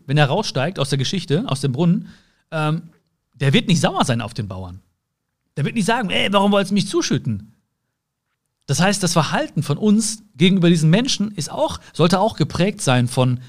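A man speaking directly to the listener in a motivational monologue, earnest, with repeated phrases, slowing right down on some words and rushing through others. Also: a little high, very animated. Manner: earnest, swings between soft slow words and quick asides.

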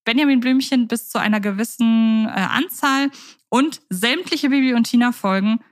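A woman's voice: a little high, normal speed. A woman co-hosting a podcast, chatting playfully in long winding sentences. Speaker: podcast co-host. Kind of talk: casual podcast chat.

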